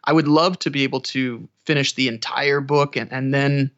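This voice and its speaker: Bright-voiced man in dull lo-fi audio. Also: mid-range voice, steady tone, normal speed. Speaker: audiobook narrator, interview guest. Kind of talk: casual conversational interview.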